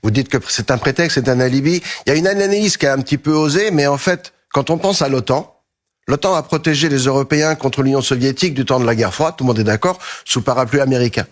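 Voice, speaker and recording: Un homme né en France, commentateur des affaires américaines, qui expose une analyse dans un débat télévisé. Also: male voice, mid-range voice, fast. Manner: explanatory, analytical. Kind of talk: TV debate.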